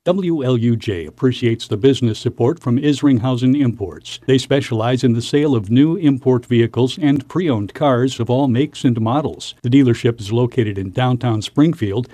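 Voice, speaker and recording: Guy reading a sponsor spot, mellow tone, dry sound. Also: mid-range voice, normal speed, few pauses, no room sound. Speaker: sponsor announcer. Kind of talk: read sponsor message.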